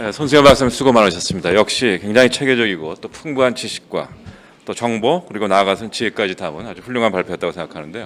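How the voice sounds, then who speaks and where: With big swings in loudness and lively intonation, a medium-pitched man talks at a very fast pace. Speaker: professor and seminar moderator. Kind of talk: moderating a seminar. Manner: halting.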